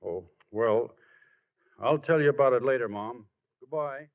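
An actor playing an earnest, devoted young American ballplayer son, halting and boyish, in 1940s radio drama style on a very muffled old recording. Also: male voice, mid-range voice, natural voice. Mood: gentle, hesitant. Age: young adult.

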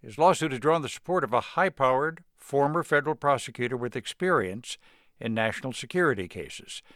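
A man hosting a radio news program, reading his script in an even, measured way. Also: mid-range voice, dry recording, studio quality.

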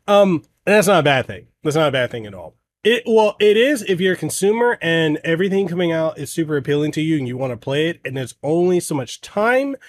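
A man with a slightly higher voice than most men rants on his gaming podcast. He talks bluntly and heatedly and swears freely as he makes his case. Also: dry recording. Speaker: podcast host. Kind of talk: ranting solo podcast talk.

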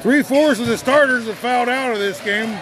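A man's voice: extremely high pitch, fairly quick. A man doing live play-by-play basketball commentary in a folksy, wisecracking manner. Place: indoor school gymnasium during a game. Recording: noisy gym with loud crowd. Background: crowd noise, bouncing ball.

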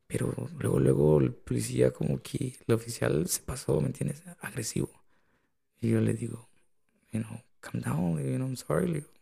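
Gravelly, husky man with US Latino Spanish accent. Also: mid-range voice, mellow. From Latin American immigrant living in the United States. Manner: code-switches into English, often tags phrases with a questioning check. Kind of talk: casual chat, telling personal anecdotes.

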